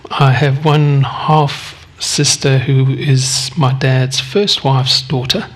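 A man in his fifties from South Africa, preaching a sermon and sharing a personal testimony in an earnest, vulnerable way with frequent pauses. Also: medium pitch, little pitch movement. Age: 50s. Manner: earnest, vulnerable, often pausing.

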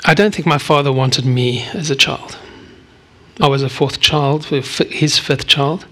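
A man in his fifties from South Africa, preaching a sermon and sharing a personal testimony in an earnest, vulnerable way with frequent pauses. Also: mid-range voice, fairly even intonation, a bit bright. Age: 50s. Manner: earnest, vulnerable, often pausing.

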